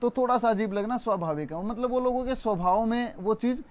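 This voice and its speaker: High-voiced man teaching a spelling lesson. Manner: explains slowly, repeating and stretching words for stress; addresses viewers as friends, conversational. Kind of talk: exam-prep Hindi spelling lesson.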